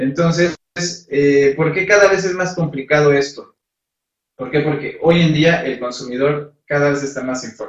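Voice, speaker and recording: Somewhat breathy, a man's voice sits at a fairly high pitch with ordinary pitch variation. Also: moderate pace. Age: 20s. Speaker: marketing expert. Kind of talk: interview on marketing.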